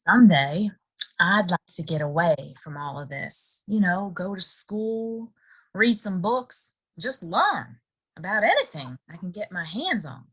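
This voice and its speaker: An actress playing a wistful young saloon woman in a Western audio drama, curious and hesitant, with expressive pauses. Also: fairly low pitch, breathy edge, full character voice, poor audio.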